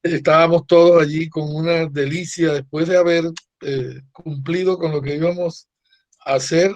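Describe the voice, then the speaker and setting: A man, a writer guest on a video call, speaking slowly and hesitantly with many fillers. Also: on the high side, fairly even intonation, no echo, lo-fi sound. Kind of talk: casual video-call chat.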